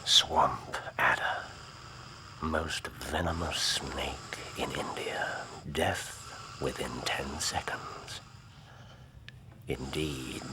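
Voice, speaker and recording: An actor playing a sharp, intense Victorian detective who gives clipped, urgent commands. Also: male voice, a bass voice, full character voice. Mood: hushed. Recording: noisy background hiss.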